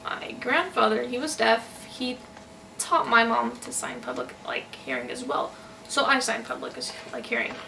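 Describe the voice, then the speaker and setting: A woman voicing an interpretation of a signed personal account in halting phrases, recorded on a noisy, distant microphone. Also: on the high side, animated, vocal fry, sharp tone. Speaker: sign-to-voice interpreter.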